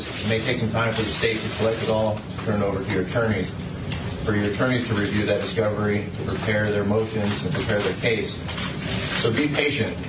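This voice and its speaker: A male judge addresses the court in a lowish voice, steady and formal, pausing on fillers as he lays down firm instructions. His courtroom recording sounds roomy and distant, picked up from across the hall. Heavy background noise runs under every word. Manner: measured, formal, firm admonitions with filler pauses. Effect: courtroom recording played in a news report.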